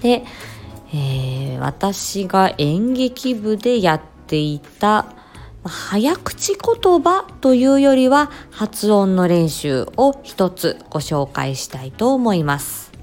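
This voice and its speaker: A woman's voice: medium pitch, big pitch swings, slow pace, darkish tone, faint music behind. A woman hosting a casual solo podcast, explaining at an easy pace with frequent filler sounds. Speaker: podcast host.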